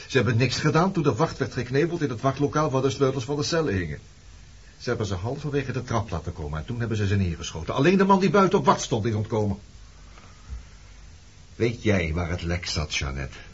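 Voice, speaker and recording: An actor playing a bitter, accusing former resistance man in a Dutch radio drama, sardonic and deliberate as he probes. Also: medium pitch, very animated, slightly rough. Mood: grim, probing. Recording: dull lo-fi radio play recording.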